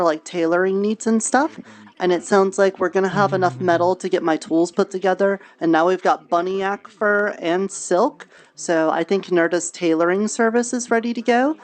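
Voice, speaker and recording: A woman's voice: lowish voice, natural voice. A woman playing a friendly, chatty tailor in an improvised fantasy roleplay, talking casually with playful, cutesy word choices.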